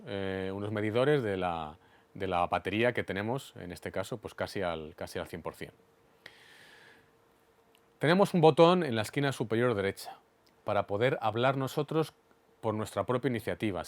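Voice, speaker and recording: A man with a Spain Spanish accent giving an instructional equipment demonstration in a clear, methodical, didactic way. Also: on the low side, no room sound. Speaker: instructor explaining studio equipment.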